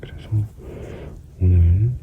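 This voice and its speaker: Male, low-pitched clinician talking through a procedure, casual and explanatory, softly murmured in places, noticeable background noise. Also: slow, phone-quality sound. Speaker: skin clinic practitioner narrating an extraction procedure. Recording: clearly noisy room recording.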